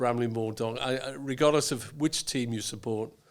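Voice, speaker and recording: A man speaks in a Liverpool accent at a moderate pace. His intonation stays fairly even. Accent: Liverpool (Scouse). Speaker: business district leader. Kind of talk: interview. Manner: halting.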